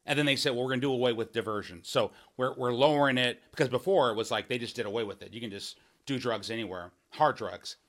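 This man is a political candidate from Washington State hosting a podcast, where he explains his policy ideas in a solo monologue. His medium-pitched, fairly bright voice moves quickly with hardly any pauses. He's emphatic and sincere, restarting phrases and tossing in "right?" along the way.

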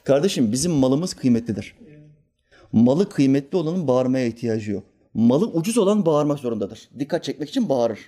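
A male preacher giving a sermon, telling stories in a calm, measured way and acting out characters' lines. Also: medium pitch. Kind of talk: sermon with storytelling.

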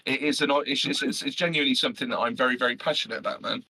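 A man, a loud and brash podcast guest talking passionately with lots of fillers and some swearing. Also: medium pitch, rapid-fire. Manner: animated, swears freely, many fillers. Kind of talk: passionate casual chat.

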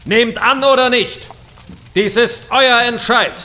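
Schauspieler als hoher, gebieterisch verkündender mittelalterlicher König. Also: male voice, extremely high pitch, takes it slowly, bright, forceful tone, exaggerated voice. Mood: stern, proclaiming. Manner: solemn, declamatory, proclaiming. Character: victorious medieval Danish king, stern and commanding. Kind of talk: historical audio drama acting.

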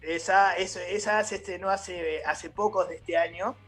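A middle-aged Uruguayan theatre founder speaking as a radio guest in casual chat, hesitant, with many fillers and restarts. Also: male voice, sits high, steady tone, normal speed, fairly bright tone, soft background music. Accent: Uruguayan Spanish.

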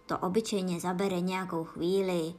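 A woman voicing a boisterous griffin creature who shouts eagerly in a bedtime storybook reading. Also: on the low side, flat delivery, natural voice. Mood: matter-of-fact.

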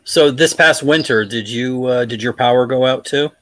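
A man's voice: mid-range voice, normal speed, a bit bright, no room sound. Man, podcast co-host; wry and opinionated, with a mid-range voice. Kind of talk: casual chat.

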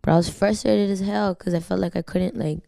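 A woman's voice: medium pitch, steady tone, a little fast, vocal fry, warm tone, dry recording, clean studio sound. A young woman from Canada whose first language is Spanish, talking candidly as an interview guest, slangy and swearing freely. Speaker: guest singer. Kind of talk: casual interview talk.

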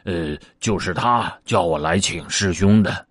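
A man's voice: low-pitched, a little slow, slightly rough, no room sound, studio quality. A man voicing a sly, lazy male pig disciple who coaxes and pleads with hesitant fillers. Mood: coaxing.

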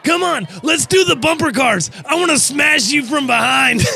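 Casting: loud-mouthed young bro for audio drama, piercingly high, fry-laden, crude and excitable. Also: male voice, slow pace, soft background music, heavily acted. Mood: rowdy excitement. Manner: excitable slangy bro talk. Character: rowdy, crude young dude on a date.

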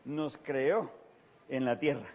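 Preacher guy, storytelling sermon, unhurried, big reverby church. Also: mid-range voice, a little mellow. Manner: storytelling with acted voices, playful asides. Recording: long reverb of a large hall.

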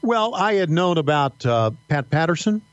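A middle-aged man with a faint Southern American accent, telling stories as a podcast guest, halting with many fillers and restarts. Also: a little high, sing-song, no echo. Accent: slight Southern American. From Virginia mountains. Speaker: podcast guest, wrestling announcer. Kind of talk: casual interview storytelling. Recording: dull dry podcast audio.

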